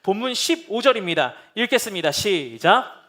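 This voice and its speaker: A man with a high voice preaches in a church. He speaks earnestly, at times soft and consoling, at times fervent and pleading. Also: sing-song, normal speed. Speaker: pastor. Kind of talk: sermon. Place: church sanctuary.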